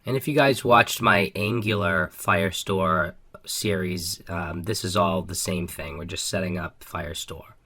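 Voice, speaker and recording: A man hosting a casual coding tutorial, walking through each step in a relaxed, upbeat way with a few ums and restarts. His voice is still a little raspy from an illness. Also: sits low, measured pace. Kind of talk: screen-recorded coding walkthrough.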